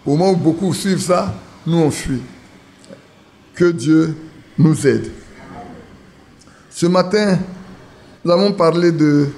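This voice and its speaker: Speaking slowly and pausing often, a man from Ivory Coast gives a casual sermon at his church assembly, questioning the congregation as he goes. His voice is fairly high with a darkish tone, and there is slight background noise.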